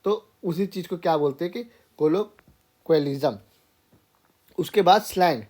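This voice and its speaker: During an informal classroom grammar lesson, a man talks a little slowly in a mellow voice on the high side. He lays out the points step by step and regularly checks in with "theek hai".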